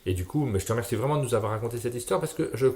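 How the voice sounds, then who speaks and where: Quick-talking male interview host. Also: medium pitch, expressive, darkish tone. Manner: attentive, frequent affirmations. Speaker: podcast host.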